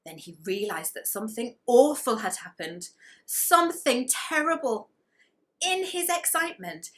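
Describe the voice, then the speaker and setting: Lively, bright-voiced woman reading a children's story. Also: sits high. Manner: dramatic emphasis, stretching key words. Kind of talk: expressive children's story narration.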